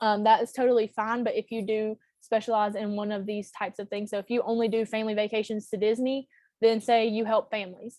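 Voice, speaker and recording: A woman with an American accent talks very fast in a flat monotone, her fairly high voice dark and mellow in tone, recorded dry and close with no echo. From North Carolina. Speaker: travel agent trainer. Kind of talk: training webinar.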